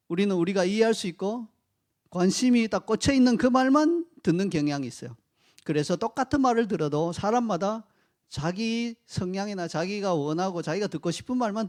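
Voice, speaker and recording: A male pastor giving a sermon in a conversational, animated way, speaking directly to his congregation and telling stories. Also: high voice. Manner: animated storytelling.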